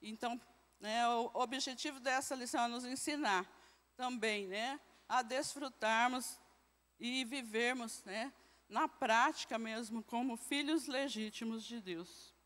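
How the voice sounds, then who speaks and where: A woman's voice: a little high, measured pace, a bit bright. Brazilian woman teaching a church class. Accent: Brazilian Portuguese. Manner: questions the class, frequent tag "né". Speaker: Sunday school teacher. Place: church hall. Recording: long reverb in a church hall.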